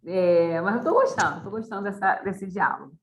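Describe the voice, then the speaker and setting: A woman's voice: mid-range voice, expressive, a little fast. Chatty woman teacher in an echoey room. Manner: chatty, encouraging, uses many fillers. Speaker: university teacher. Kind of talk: online class discussion. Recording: echoey room with faint noise.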